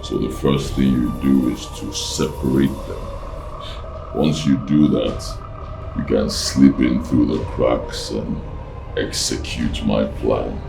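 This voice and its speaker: An actor playing a cold, scheming kidnapper who talks in slow, clipped threats. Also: male voice, fairly even intonation, exaggerated voice. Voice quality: deep gravelly voice. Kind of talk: film drama acting. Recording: roomy echo over loud music.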